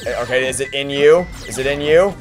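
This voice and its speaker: A man's voice: mid-range voice, a little fast, soft background music, low-quality recording. A young man giving sarcastic, exasperated commentary while playing a video game, swearing and complaining often. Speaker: let's play host. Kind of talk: profane frustrated gameplay commentary.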